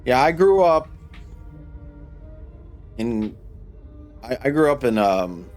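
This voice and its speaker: A man's voice: mid-range voice, big pitch swings, slow, a little mellow, soft background music. A man in his thirties, a streamer from Michigan, chatting casually with viewers while gaming, rambling and restarting his sentences. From Michigan, United States. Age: 30s. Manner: rambling, restarts often, reads and answers chat.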